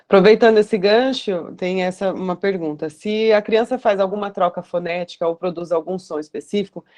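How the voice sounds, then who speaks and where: A woman's voice: medium pitch, a little fast, a little mellow. A woman who interviews and reads out questions, a little hesitant.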